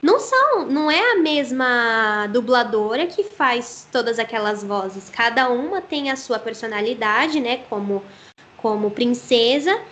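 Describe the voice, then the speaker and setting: Woman, Brazilian Portuguese accent, voice actress, fairly high voice, faint background noise. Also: expressive, measured pace, fairly bright tone. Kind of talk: interview.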